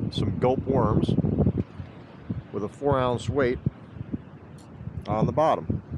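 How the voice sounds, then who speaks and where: A man talks at a fairly slow pace with ordinary pitch variation, the sound dry with no echo but loud background noise behind him. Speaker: fishing vlogger. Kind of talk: casual vlog chat. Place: beach. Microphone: phone near.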